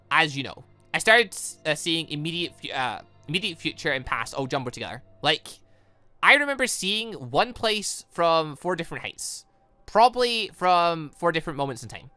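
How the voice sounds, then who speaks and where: A man voicing a shaken, earnest young female student in a visual novel, halting and stammering. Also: on the high side, sharp tone, no room sound.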